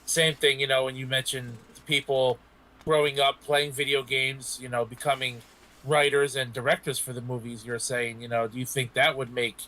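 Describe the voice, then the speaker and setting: Male co-host, bright mid-range voice, measured and conversational, thoughtful panel talk. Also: mid-range voice, slight background noise, low-quality recording. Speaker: podcast co-host. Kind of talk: casual panel discussion.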